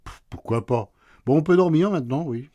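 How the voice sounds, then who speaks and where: A man's voice: on the high side, animated, normal speed, dark tone, dry recording, natural voice. An actor playing a sleepy, teasing husband in a radio play, answering his wife with dry sarcasm. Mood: grumpy, teasing. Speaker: husband woken at night.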